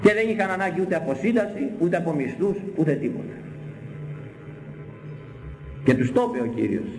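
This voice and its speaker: Emphatic older Greek priest preaching. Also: male voice, high-pitched, big pitch swings, a little mellow, reverberant, low-quality recording. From Greece. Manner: repetitive, emphatic preaching with rhetorical questions. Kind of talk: sermon.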